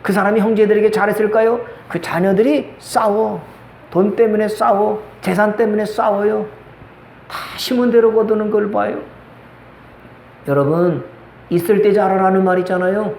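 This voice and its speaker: A man's voice: high-pitched, fairly even intonation, moderate pace, creaky, a little mellow. An older man, a pastor, preaching a Sunday sermon, telling stories with quoted voices and asking the congregation questions. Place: church sanctuary. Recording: echoey church room with faint noise.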